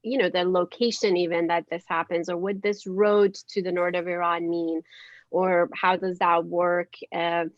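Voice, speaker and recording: A woman panel guest explaining casually, halting as she searches for her words. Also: lowish voice, level tone, no echo. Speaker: panel guest, dramaturgy collaborator. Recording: dry but dull call audio.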